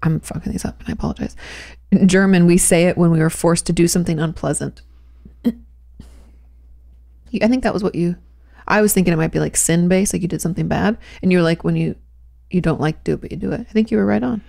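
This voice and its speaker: Woman co-host in her thirties, low gravelly voice, chatty storyteller, studio mic. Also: fast, pauses often, dark tone, dry recording. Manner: chatty storytelling, trailing restarts. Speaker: podcast co-host. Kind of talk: casual chat. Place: small home studio room. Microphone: studio mic on boom arm, headphones.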